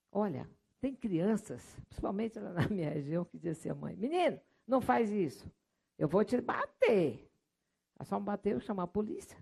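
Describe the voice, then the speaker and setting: A middle-aged Brazilian woman missionary preaching a sermon, lively and storytelling, acting out voices from her anecdotes. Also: mid-range voice, vocal fry. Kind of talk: sermon with object lesson.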